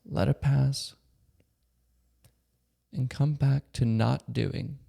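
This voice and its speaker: A man leading a guided meditation, giving calm, gentle, unhurried instructions with long pauses between short phrases. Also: mid-range voice, creaky. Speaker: meditation teacher.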